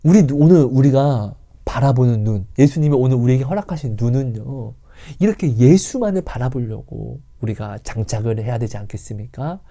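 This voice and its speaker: A man preaching a sermon in an emotional, dramatic way, swinging from loud calls to hushed whispers and asking the listeners rhetorical questions. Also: mid-range voice, moderate pace, few pauses. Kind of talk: sermon and testimony.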